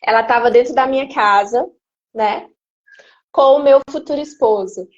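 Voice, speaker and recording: A woman, a guest giving an emotional personal testimony in an animated storytelling way. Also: on the high side, moderate pace, highs cut off. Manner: animated storytelling, acting out quoted speech. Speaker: interview guest.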